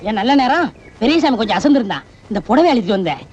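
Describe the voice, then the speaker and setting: A man's voice: very high-pitched, big pitch swings, fast, darkish tone, a little hiss or hum. An actor playing a cheeky, quarrelsome young village man who brags and bickers, in an old film comedy. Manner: boastful and bickering. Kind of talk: 1980s Tamil film comedy. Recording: dull old film soundtrack with music.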